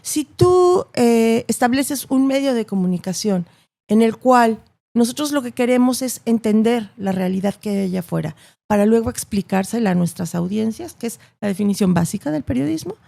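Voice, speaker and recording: Latin American woman with a creaky voice. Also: on the high side, animated, normal speed, dark tone. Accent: Latin American Spanish. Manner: articulate, emphatic, builds points with repetition and rhetorical tags. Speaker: interview guest, journalist. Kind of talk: conversational interview, explaining opinions.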